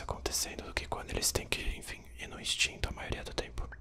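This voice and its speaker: A soft-spoken man whispering, with light background noise. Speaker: ASMR channel creator. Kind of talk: casual vlog chat. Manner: soft close-mic whisper. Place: home room. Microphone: handheld.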